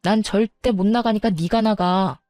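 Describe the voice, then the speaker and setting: A woman voicing a hot-tempered sister-in-law who yells and insults, in a story reading. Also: medium pitch, steady tone, normal speed, dry recording, faint music behind, lightly acted. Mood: yelling. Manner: shouting, insulting.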